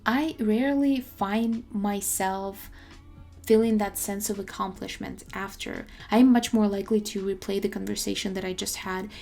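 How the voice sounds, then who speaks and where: A young woman from Russia, a native Russian speaker, talking in a measured, articulate way as she presents a semi-scripted language-learning video. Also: mid-range voice, fairly even intonation, vocal fry, darkish tone, soft background music.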